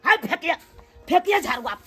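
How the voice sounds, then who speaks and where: A furious village husband with a Maithili accent, voiced by a woman, scolding loudly in a comedy skit. The voice sits very high. Faint music runs under the scene. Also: animated, normal speed. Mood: angry. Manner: loud, scolding, theatrical.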